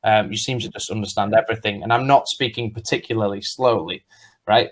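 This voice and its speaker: A man's voice: on the low side, steady tone, brisk, a bit bright, rough recording. A man from the north of England with a Manchester accent, an English tutor chatting with a student over a video call and asking follow-up questions. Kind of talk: casual video-call lesson chat.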